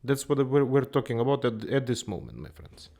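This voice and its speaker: A man's voice: mid-range voice, very animated, brisk, gravelly, warm tone. A man hosting a comedic finance show, playful and exaggerated, repeating "my friends" again and again. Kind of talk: comedic character monologue.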